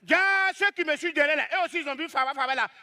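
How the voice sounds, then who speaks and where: A man telling a comic story on stage as a stand-up comedian, lively and exclaiming as he acts out the scenes. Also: very high-pitched, very fast.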